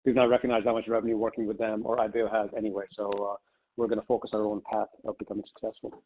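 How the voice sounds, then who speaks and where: A man's voice: on the low side, little pitch movement, quick pace. A man speaking as a company executive, answering questions off the cuff on an investor conference call in a conversational way peppered with "you know". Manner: conversational, often says "you know" and "right". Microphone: conference call line. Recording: slightly muffled conference call audio.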